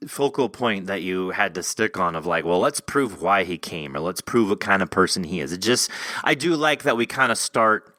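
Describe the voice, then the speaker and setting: A man's voice: deep voice, animated, moderate pace, pushed and bright, no echo. A man hosting a podcast in casual interview chat, rambling and thinking aloud as he goes. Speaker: podcast host.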